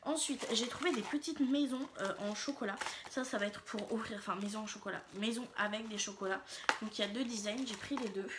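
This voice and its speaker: A woman's voice: on the high side, fairly quick, noisy background. A woman talking casually to her viewers in a shopping haul vlog, chatty and rambling, with frequent hesitations and fillers. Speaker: vlogger.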